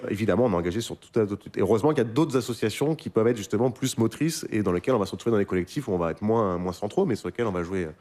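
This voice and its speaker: Rapid low-voiced man with hesitant answers. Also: lively intonation, a little mellow. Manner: rapid, hesitant, many fillers and restarts. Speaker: activist spokesperson guest. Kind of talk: radio interview answers. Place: radio studio.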